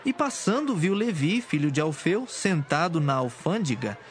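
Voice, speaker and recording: A man's voice: a little high, big pitch swings, normal speed, slight background noise. A man narrating a dramatized audio Bible in a solemn, formal storytelling style.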